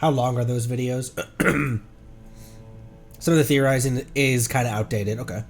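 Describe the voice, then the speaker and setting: A man's voice: mid-range voice, fairly even intonation, normal speed. A man giving casual, playful commentary on a game livestream. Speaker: streamer. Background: game music.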